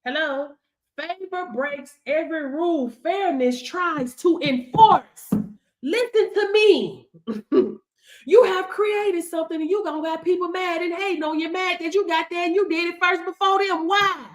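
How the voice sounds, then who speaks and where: A woman's voice: very high voice, a little slow. A woman leading a workshop in a preachy, motivational way. She repeats phrases for emphasis, laughs often and calls her listeners baby. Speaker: workshop instructor.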